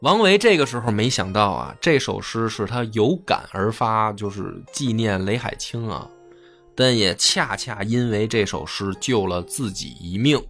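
A man's voice: fairly low pitch, animated, normal speed, fairly bright tone, faint music behind. A man telling history in a colloquial, slangy way. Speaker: history storyteller. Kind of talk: casual storytelling chat.

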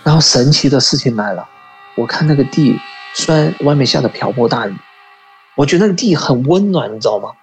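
A man calling in to tell a personal ghost story, talking in a halting, earnest way and often repeating words. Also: medium pitch, animated, faint music behind, rough recording. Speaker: caller.

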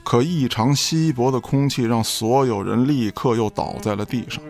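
A man's voice: medium pitch, normal speed, a little mellow, faint music behind. A man narrating an audio drama from a script in a dramatic storytelling style.

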